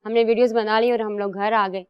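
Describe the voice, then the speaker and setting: A woman's voice: medium pitch, level tone, smooth, dry recording, lo-fi sound. A young woman from Pakistan, a contestant answering interview questions in a giggly, casual, defiant way.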